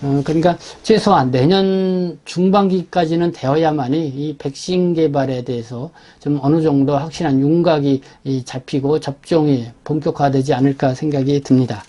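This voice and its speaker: A man with a fairly high-pitched but soft, mellow voice presents a community news briefing. He explains each item in a semi-scripted way, halting and correcting himself as he goes. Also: fairly even intonation. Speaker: host presenting a community newspaper's issue.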